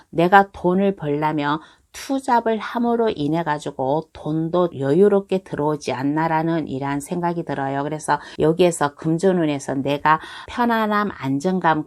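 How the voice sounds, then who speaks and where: A woman giving a tarot reading to her viewers, talking in a slow, reassuring way and circling back over her phrases. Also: sits low. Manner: slow, reassuring, repeats phrases and hedging endings. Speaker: tarot reader.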